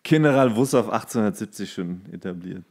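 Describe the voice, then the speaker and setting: A man's voice: fairly low pitch, expressive, a little fast, darkish tone. A man in casual, comedic podcast banter as a co-host, joking and mock-indignant. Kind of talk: casual comedic banter, guessing slang words.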